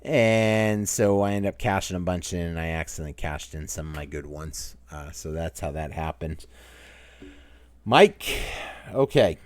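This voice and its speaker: A low-pitched man with a Maine accent chats casually as the host of his own channel, wandering from point to point as he answers viewer questions. His voice sits close and dry, with almost no room sound. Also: expressive, a little slow, dry recording. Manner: rambling, conversational, reads viewer comments aloud. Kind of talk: casual Q&A chat.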